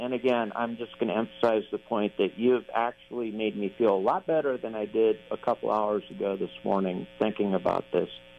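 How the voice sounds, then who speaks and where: In an unremarkable speaking voice, a man talks at a moderate pace with medium pitch, ordinary pitch variation and hardly any pauses. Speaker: caller, Marine veteran. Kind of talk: call-in question. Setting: phone call.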